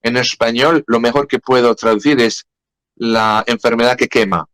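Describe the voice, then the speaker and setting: A man with a French accent speaking Spanish as a second language in a podcast interview, halting and searching for words. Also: mid-range voice, steady tone, a bit bright, clean tone, no echo. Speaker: guest.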